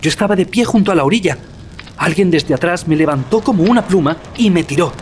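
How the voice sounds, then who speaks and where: A man's voice: high voice, expressive, quick pace, a little hiss or hum. An actor playing a frightened, weakened young man rescued from drowning in an audio drama, shaken. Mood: dazed, frightened. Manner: shaken, fearful.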